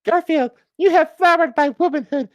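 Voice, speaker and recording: A man's voice: very high-pitched, normal speed, no room sound, muffled recording, pitched above the performer's own voice. A man voicing an adoring, lustful woman in a seductive storybook scene.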